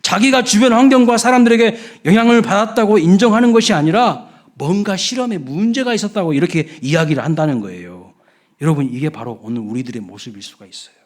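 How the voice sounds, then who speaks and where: Middle-aged pastor guy preaching, high-ish voice that swings up and down a lot, really emphatic. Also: expressive, fast. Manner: emphatic preaching, rising loud when acting out the thief. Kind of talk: sermon.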